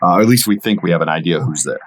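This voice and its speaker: A man speaking as a guest voice actor in a casual interview and commentary, with halting, measured phrasing. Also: deep voice, animated.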